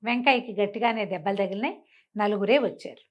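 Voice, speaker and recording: A woman telling a comic folk tale in an animated, conversational way, often repeating phrases. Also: mid-range voice, fast talker. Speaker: storyteller.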